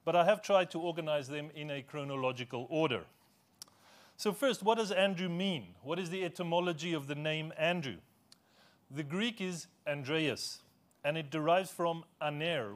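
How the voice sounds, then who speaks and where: A native Afrikaans-speaking man with a slightly high voice delivers a sermon to his congregation in church. His style is loose and conversational; he jokes at his own expense and puts questions to the people in the pews.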